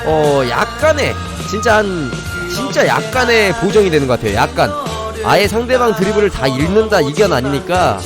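Guy streaming a game tutorial, higher voice, really animated, chats to viewers, music clearly playing behind him. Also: moderate pace. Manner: talks to viewers, thanks donors. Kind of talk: live game commentary and tutorial.

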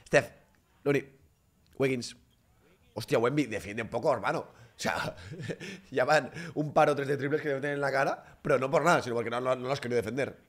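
A young man giving excitable live reaction commentary on a basketball game, bursting into shouts. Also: medium pitch, brisk.

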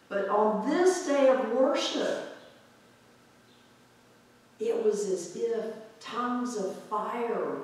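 A man's voice: sits high, a little hiss or hum. Man preaching in an echoey church. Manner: reflective, conversational preaching with slow drawn-out emphasis. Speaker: pastor. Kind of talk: sermon. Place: church sanctuary with pipe organ, indoors. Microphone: far camera at back of sanctuary. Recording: very echoey church hall from far off.

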